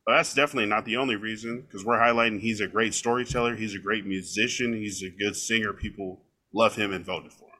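Man, podcast chat, lower voice with a bright edge, rambling and lively. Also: quick pace, few pauses. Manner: rambling, lively storytelling with many fillers.

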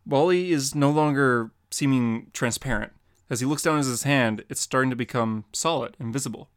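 A man's voice: mid-range voice, normal speed, clean tone, no room sound. Matter-of-fact male podcast co-host narrating panel action, dry close sound. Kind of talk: reading out comic panel descriptions.

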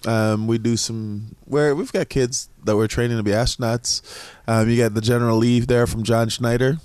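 Middle-aged male guest, born in Jamaica; easygoing interview delivery with halting fillers; mid-pitched voice, dry close recording. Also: smooth, no echo. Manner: relaxed, with frequent "um" pauses. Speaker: museum founder, guest. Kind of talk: casual conversation.

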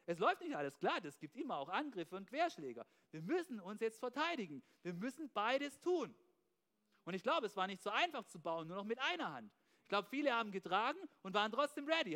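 A man's voice: very high-pitched, bright, forceful tone. A man preaching a sermon with energy, often starting phrases with "hey" and checking in with "ja?", mixing in English slang words. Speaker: pastor.

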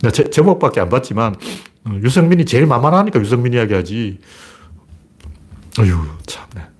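A man's voice: medium pitch, sing-song, fairly quick, breathy edge. A man giving casual political commentary in a sarcastic, mocking way, with scoffing asides and emphatic rises to drive his points home.

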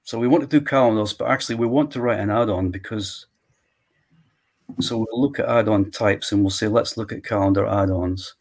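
Low, gravelly man demoing software. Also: brisk. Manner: walks through steps aloud, thinking as he goes. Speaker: software developer showing his tool. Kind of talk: live screen-share demo.

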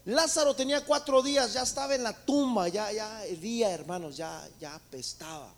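A man's voice: sits high, moderate pace. A man preaching a sermon, rising to emphatic peaks and calling his listeners brothers. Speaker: pastor.

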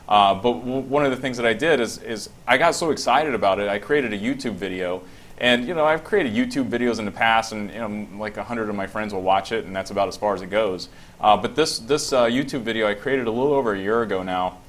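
A man's voice: lowish voice, slight background noise. A man on a business panel telling a personal story and giving encouraging advice, with frequent restarts. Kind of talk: casual panel talk.

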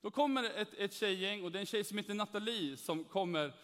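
A man's voice: high voice, fairly bright tone. A young man giving an earnest personal faith testimony, telling his story animatedly and acting out the dialogue. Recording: echoey hall reverb.

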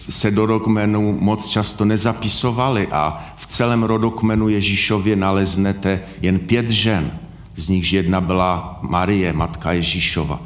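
A man preaching a sermon, earnestly putting questions to his congregation. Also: lowish voice. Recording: echoey room.

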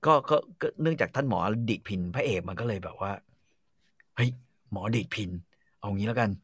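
A man telling a story in a casual chat, animated and full of crude slang, acting out bits of dialogue. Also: lowish voice, normal speed, breathy edge, dry recording, studio quality. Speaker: storyteller host.

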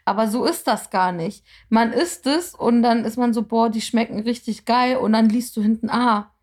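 A woman's voice: on the high side, moderate pace. A woman from northern Germany hosting a podcast, chatting casually with slangy enthusiasm. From Kiel, northern Germany. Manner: slangy and enthusiastic, animated anecdotes. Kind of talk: casual chat.

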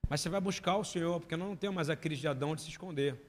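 High-voiced pastor preaching in a hall. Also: male voice, very fast. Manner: emphatic, asks the congregation repeated questions. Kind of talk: sermon. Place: church hall. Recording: long hall reverb.

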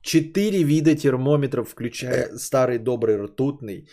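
A man in his late thirties, hosting a casual stream and chatting with his audience in a rambling, opinionated way, with lots of fillers and pitch that jumps up when he gets indignant. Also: unhurried, mellow. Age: 30s. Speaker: podcast host streaming. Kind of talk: casual stream chat reading donations.

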